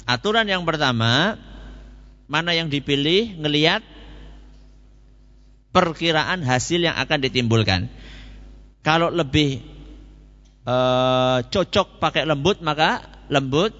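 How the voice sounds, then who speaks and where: A man's voice: a little high, fairly bright tone, in a large hall, highs cut off. A man giving a Quran commentary lecture, telling stories and asking questions he answers himself. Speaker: preacher.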